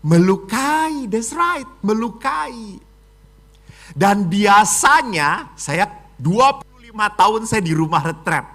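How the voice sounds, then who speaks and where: A middle-aged man delivers a Catholic homily with a high, bright voice. His pitch leaps and falls dramatically, moving from loud exclamations to hushed, whispered asides. He keeps things playful with jokes. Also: sing-song, slow. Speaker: Catholic priest. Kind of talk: lively homily.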